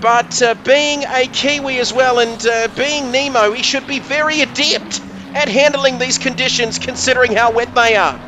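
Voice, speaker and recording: A man's voice: extremely high pitch, fairly even intonation, normal speed, noisy background. A man commentating a sim race, joking and rambling with his co-host. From Australia. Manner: jokey, rambling banter with co-host.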